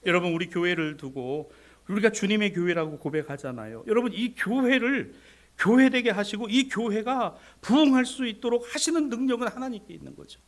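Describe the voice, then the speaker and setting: A male pastor preaching a sermon, addressing the congregation directly, swinging between raised exhortation and hushed, whispered asides. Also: high voice, expressive, brisk. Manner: addresses congregation directly, acts out voices of people and God.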